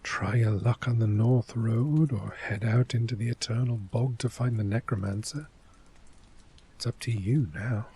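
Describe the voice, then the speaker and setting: A man playing a cynical, world-weary fort official in a soft-spoken ASMR fantasy role play, measured and sardonic, sometimes dropping toward a whisper. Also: mid-range voice, steady tone, slightly rough. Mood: ominous, resigned.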